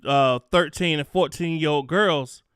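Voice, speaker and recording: A man's voice: fairly high pitch, a little slow, fairly bright tone, clean tone, dry recording, studio quality. A man hosting a live stream debate, pressing his guest with pointed questions.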